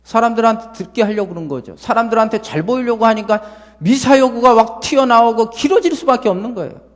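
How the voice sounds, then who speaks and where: A male pastor preaching a sermon to his congregation, lively and full of rhetorical questions. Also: very high voice, fast, in a large hall. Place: church sanctuary.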